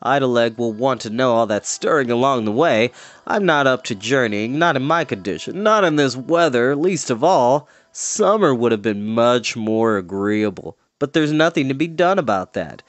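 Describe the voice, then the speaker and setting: A man voicing a melancholy, fretful fairy-folk creature with drawn-out, sighing, hesitant delivery in a storybook reading. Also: mid-range voice, lively intonation, dry recording, lightly acted. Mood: weary, complaining.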